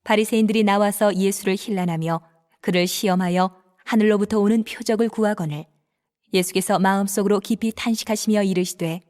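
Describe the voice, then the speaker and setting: Woman reading scripture calm and steady, reverent narrator voice. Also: mid-range voice, a little fast.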